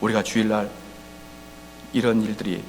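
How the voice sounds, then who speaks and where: A man preaching a sermon as pastor. He is emphatic, swings between loud outbursts and quiet asides, and acts out quoted voices. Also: fairly low pitch, completely flat delivery, normal speed, slight background noise. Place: church sanctuary. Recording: church hall reverb.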